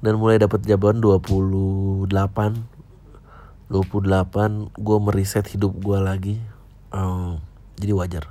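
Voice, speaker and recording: A man's voice: deep voice, level tone, measured pace, pauses often, warm tone. A man, hosting a podcast and answering listener emails in blunt, offhand, slangy replies. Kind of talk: casual podcast chat.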